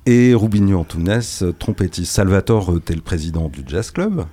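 A man's voice: low-pitched, big pitch swings, dark tone. A man hosting a jazz radio show in a studio, talking with frequent fillers and restarts. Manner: halting, many fillers and restarts. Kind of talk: hesitant radio presenting.

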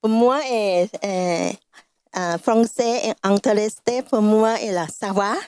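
A woman learning French, speaking haltingly and searching for words. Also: mid-range voice, a little mellow, smooth, dry recording.

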